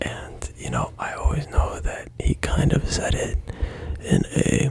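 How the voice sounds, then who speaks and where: The whispering moves at a very slow pace. Behind it sits noticeable background noise. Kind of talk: ASMR, soft spoken and clicky whispers. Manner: soft-spoken.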